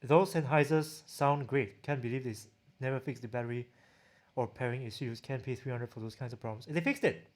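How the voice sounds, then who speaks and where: Speaking a little fast in a medium-pitched, somewhat dark tone, a Singaporean-accented livestream host works through viewer questions, reading each aloud and responding in a relaxed, chatty way. He is also an audio gear reviewer.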